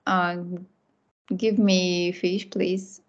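A woman's voice: fairly low pitch, little pitch movement, very slow, muffled recording. A woman with a Russian accent, a native Russian speaker, hesitantly repeating phrases as a student in a casual language lesson.

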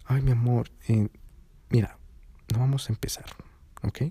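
A drunk young woman who slurs and soothes to dodge a fight, as a male storyteller puts her on. The voice is husky and breathy and drawls slowly. It sounds dry and close-miked. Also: medium pitch, fairly even intonation, mellow, no room sound. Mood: placating. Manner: slurred, placating, sweet-talking.

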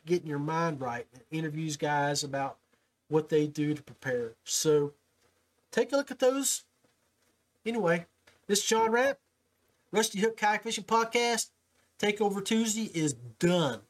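Man, podcast host, folksy, slightly high-pitched. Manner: folksy, repeats words when starting sentences. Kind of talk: casual podcast interview. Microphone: call audio with his own mic.

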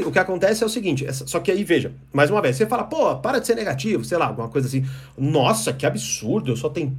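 A man's voice: high-pitched, slightly rough. A man teaching an online course, talking in loose, restless bursts and often checking in with "né?" and "percebe?". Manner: acts out short sneering quotes of other people. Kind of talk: explanatory talk to camera.

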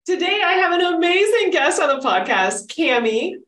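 A woman's voice: extremely high pitch, big pitch swings, normal speed, over loud music. Woman hosting a podcast in an echoey room. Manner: encouraging, lots of "uh-huh" and "mm-hmm". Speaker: podcast host. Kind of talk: hosted podcast interview.

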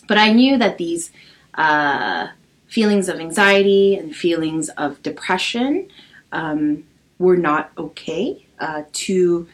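A woman from Los Angeles in her early thirties speaks in a casual interview, her voice sitting slightly low. She talks haltingly, filling pauses with ums as she thinks aloud. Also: rough recording. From Los Angeles, USA. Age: early 30s. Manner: soft, hesitant, many pauses and ums. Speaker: podcast guest.

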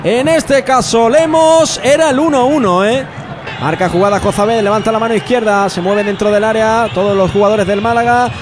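A man with an accent from Spain doing passionate, excited live radio play-by-play of football, often shouting and stretching out words. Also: high-pitched, noisy background. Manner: passionate, shouting, drawn-out exclamations.

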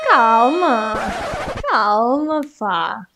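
A young woman with a European Portuguese accent speaks as a mysterious disembodied voice, calmly teasing the hosts. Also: fairly high pitch, drawn-out words, music in the background. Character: mysterious disembodied voice answering out of nowhere. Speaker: podcast guest.

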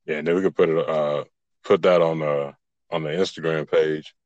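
A man co-hosting a casual podcast who chips in with brief, low-key remarks. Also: steady tone, normal speed, darkish tone, no room sound. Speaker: podcast co-host. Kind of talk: casual chat. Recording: dull dry lo-fi sound.

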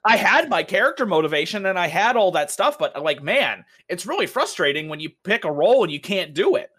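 A young man talks loosely about tabletop role-playing, sitting a little higher than most men in pitch. He wanders through a long anecdote, filling gaps with ums, likes and the occasional swear. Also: very animated, brisk, a bit bright, slightly rough. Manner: rambling storytelling with many fillers and swearing. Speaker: podcast co-host, game master. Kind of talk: casual chat about tabletop games.

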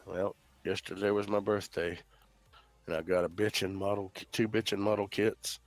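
A man's voice: fairly low pitch, little pitch movement, normal speed. A man in his thirties with a stuffy head cold, chatting casually and swearing easily on a voice call. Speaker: podcast host. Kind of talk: casual chat.

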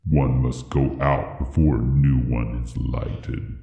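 A man voicing Death as a solemn, ancient male spirit during a story reading, with slow, grave pronouncements. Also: rumbling low, level tone, vocal fry, dark tone, echoey room, highs cut off, voice pushed down, full character voice.

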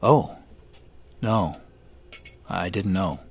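A man's voice: deep voice, drawn-out words, vocal fry, slight background noise, exaggerated voice. A man playing a polite, curious visitor in a naturalistic audio drama. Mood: sympathetic. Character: polite, curious grown man visiting old family friends.

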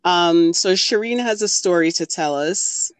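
Slow-talking chatty woman host. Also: fairly low pitch, clean tone. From Jamaica. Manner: chatty, laughs often, runs the game. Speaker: podcast co-host. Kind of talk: casual chat.

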